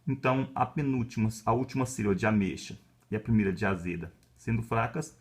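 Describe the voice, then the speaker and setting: A male university professor from Brazil with a Brazilian Portuguese accent, explaining a lesson in a calm, measured way and often checking in with little tags. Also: lowish voice. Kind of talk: explanatory lecture.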